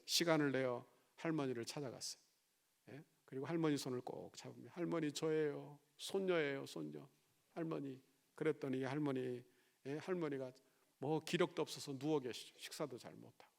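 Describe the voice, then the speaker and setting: A man's voice: medium pitch, fairly quick, gravelly. A male pastor preaching a Sunday sermon, emphatic, firing off rhetorical questions and repeating his points to the congregation. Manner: repeats phrases and checks in with the congregation. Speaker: senior pastor.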